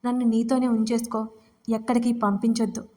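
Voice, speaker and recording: A woman's voice: on the high side, level tone, a little fast, dark tone, close to an everyday voice. A woman voicing a tearful young wife who pleads emotionally in an audio story. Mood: pleading.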